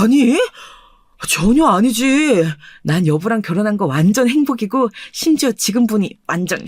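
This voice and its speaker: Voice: mid-range voice, dry recording, clean studio sound, lightly acted. A performer voicing an earnest, deferential husband in his thirties in a dramatized radio story.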